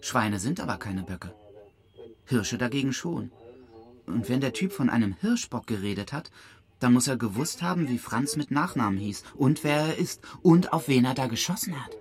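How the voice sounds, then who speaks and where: Actor as lively, probing amateur investigator. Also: male voice, medium pitch, moderate pace, natural voice. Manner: probing, excitable. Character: eager, probing camp leader investigating with friend. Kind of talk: German radio crime drama acting.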